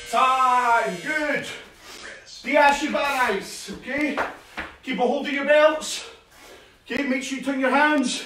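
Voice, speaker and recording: In a room with audible echo and noticeable background noise, a man uses a raised, projected voice at a very slow pace with long, frequent pauses. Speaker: judo coach. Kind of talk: live online judo class, instructing kids through drills. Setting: live video stream. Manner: energetic, loud, encouraging, brisk call-outs and countdowns; clear, repetitive, upbeat instructions. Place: gym. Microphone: camera far.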